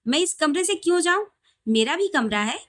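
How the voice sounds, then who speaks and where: An earnest young husband as a woman narrator reads him in a romantic audio story. He is tender and teasing, with a stubborn streak. The pitch is clearly high. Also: lively intonation, moderate pace, fairly bright tone.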